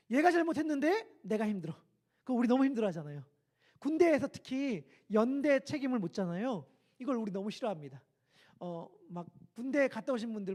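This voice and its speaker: A male pastor preaching a sermon in a church, telling stories in an animated way. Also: sits high. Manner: animated storytelling, acting out quoted voices. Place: church sanctuary.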